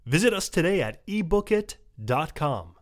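A man's voice: a little high, very animated, normal speed, faint music behind. A man reading a short sponsor message in an upbeat promotional tone. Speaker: sponsor announcer.

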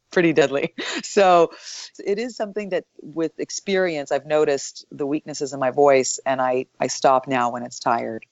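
A woman voice actor being interviewed, explaining her craft thoughtfully, her voice still deep from the morning. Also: fairly even intonation, unhurried, dry recording, dull audio. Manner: thoughtful, explanatory, with soft laughs. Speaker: voice actor guest. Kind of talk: interview answers.

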